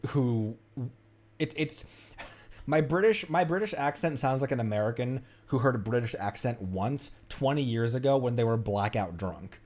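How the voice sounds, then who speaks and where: A man's voice: medium pitch, darkish tone. A male streamer chatting casually on a live stream, tired, self-deprecating and laughing often.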